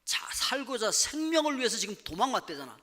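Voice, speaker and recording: A middle-aged male pastor preaching a sermon in a church, lively, who acts out quoted complaints with sudden loud bursts. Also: very high-pitched, fairly quick. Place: church sanctuary. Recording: long hall reverb.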